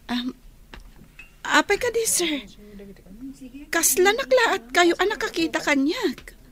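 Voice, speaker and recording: An actress playing a gentle young woman working at a small eatery, soft-spoken. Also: very high-pitched, sing-song, takes it slowly, full character voice. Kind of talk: Ilocano radio drama acting.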